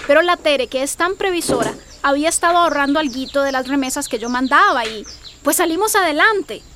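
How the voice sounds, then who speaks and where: A woman's voice: high-pitched, animated, brisk, background noise. An actress playing a grateful, chatty woman back from working abroad, in a radio drama.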